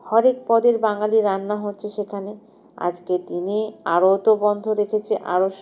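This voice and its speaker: Female story narrator, mid-pitched, expressive dramatic reading, literary phrasing, slightly dull recording. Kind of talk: dramatic scripted narration of a sad romance novel.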